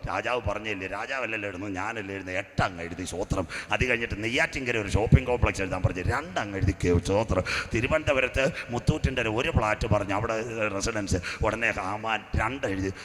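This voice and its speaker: A man delivers a sermon in a fairly low voice. He spins a story with acted voices, then builds to loud, shouted declarations. A long hall reverb trails behind every phrase. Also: brisk, few pauses. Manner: storytelling preacher, acts out characters, rises to shouting. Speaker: pastor.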